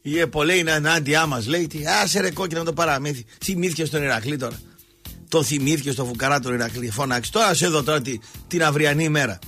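A man hosting a sports talk show, ranting sarcastically and mocking people, going from loud outbursts to low muttering. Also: faint music behind. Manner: sarcastic, mocking, switches between shouting and muttering. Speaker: radio sports talk host. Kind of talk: ranting monologue.

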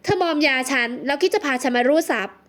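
A woman's voice: high voice, expressive, quick pace. A woman voicing Tamisa, a haughty young socialite. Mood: accusing. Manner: sharp, imperious and suspicious.

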